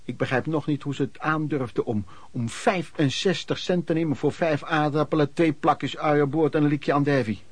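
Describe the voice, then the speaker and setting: A man's voice: on the high side, normal speed, hardly any pauses, a little hiss or hum, close to an everyday voice. An actor in a Dutch radio play playing a wry, plain-spoken pedlar recounting his wanderings. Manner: colloquial, matter-of-fact storytelling. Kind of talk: dramatised first-person narration.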